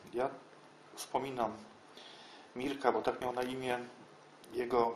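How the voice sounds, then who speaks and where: A man talks at a moderate pace, with light background noise and audible room echo around him. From northern Poland, Świnoujście. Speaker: former Jehovah's Witnesses circuit overseer, now church member. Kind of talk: interview answers, personal testimony. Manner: reflective, halting with fillers. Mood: calm, reflective recollection. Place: office. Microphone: camera far.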